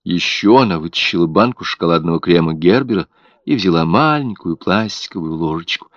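A man's voice: deep voice, lively intonation, brisk, no room sound. A man reading an audiobook with dramatic expression, his voice rising and falling a lot in a medium register. The sound is dry and a little muffled, with no room around it. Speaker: audiobook narrator. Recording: dull, dry audiobook recording.

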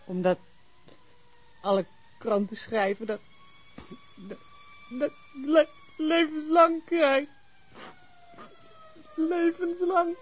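An actor playing a frightened young male suspect in a radio drama, cowed and husky. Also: extremely high pitch, very slow, pauses often, exaggerated voice, poor audio. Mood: tearful, desperate. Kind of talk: Dutch radio drama dialogue.

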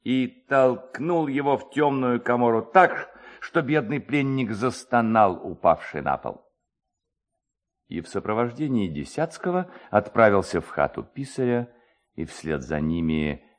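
A man narrating a literary story with expressive, theatrical phrasing. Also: lowish voice, unhurried. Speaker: narrator, reader.

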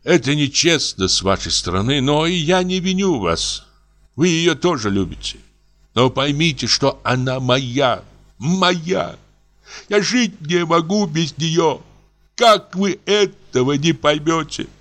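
A man voicing a desperate, jealous gentleman imploring his rival to leave, in an audiobook reading. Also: a little high, lively intonation, slow pace, soft background music, pitched above the performer's own voice.

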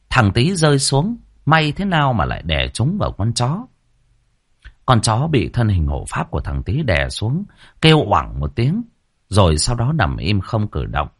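Guy reading a spooky story, husky voice swinging way up and down, faint music under. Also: medium pitch. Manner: dramatic, expressive storytelling. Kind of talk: scripted audiobook narration.

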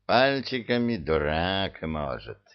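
A man's voice: low-pitched, sing-song, slow pace, lo-fi sound, exaggerated voice. A man voicing a tipsy, prissy male devil in a storybook reading, with an affected, prim drawl. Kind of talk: audiobook character voice.

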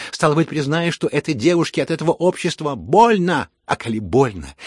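A man reading a storybook who voices a stern middle-aged noblewoman, shrill and indignant as she scolds. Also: vocal fry, husky, dry recording, studio quality, full character voice.

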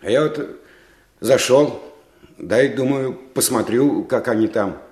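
A man's voice: medium pitch, animated, slow, darkish tone. An actor playing a sly, ingratiating older village father in a radio play, breezy and chatty. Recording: echoey room.

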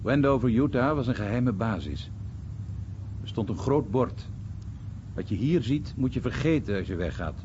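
A man playing an American war veteran who soberly recalls his bomber days in a radio drama monologue, in a husky voice. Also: mid-range voice, lively intonation, normal speed, pauses often, noisy background, close to an everyday voice. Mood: sober recounting. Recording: slightly dull radio recording.

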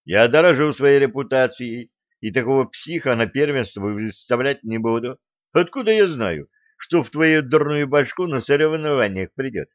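A man voicing a gruff, angry middle-aged fencing coach who scolds and shouts. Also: medium pitch, lively intonation, moderate pace, no room sound, highs cut off, natural voice.

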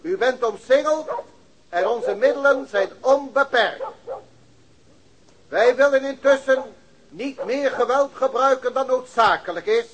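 An actor playing a stern, pompous, middle-aged police chief commissioner in a radio drama, speaking formally and with authority. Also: male voice, extremely high pitch, a little slow, fairly bright tone, full character voice, rough recording. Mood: solemn, commanding.

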